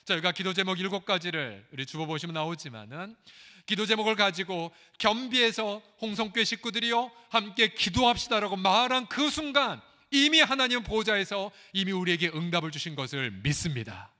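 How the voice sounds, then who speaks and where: A man preaching a sermon as pastor, acting out quoted prayers and replies, his voice rising to loud pleas and dropping to a hush. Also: sits high, expressive, brisk. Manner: acts out quoted prayers and God's replies, swinging between loud pleas and hushed lines. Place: church sanctuary. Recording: live church recording with long hall reverb.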